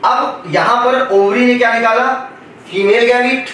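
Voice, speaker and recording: A man's voice: extremely high pitch, fairly even intonation, measured pace, a bit bright, a little hiss or hum. A man teaching biology to a class. He calls the students "beta" and keeps asking questions for them to answer. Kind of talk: classroom lecture. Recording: echoey classroom from far off.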